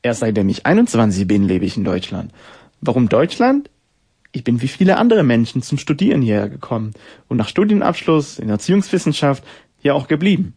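Man, 20s, born in Israel, Hebrew native, radio host, dark husky voice, reflective narration. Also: medium pitch, big pitch swings, brisk. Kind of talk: scripted narration and interview.

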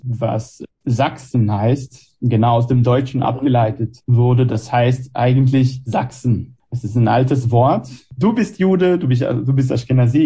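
A man in his late twenties from Israel, hosting a radio program with measured, rhetorical narration and interview questions. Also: medium pitch, mellow, husky. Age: 20s. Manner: measured, rhetorical, list-like delivery. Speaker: radio host.

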